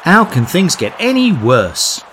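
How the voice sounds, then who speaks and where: A man's voice: fairly high pitch, huge pitch swings, a little slow, fairly bright tone, a little hiss or hum, full character voice. An actor playing an exasperated, bickering king with an incredulous, sarcastic delivery in a comic pantomime. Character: exasperated, bickering King Arthur judging knights. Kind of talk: pantomime audio comedy.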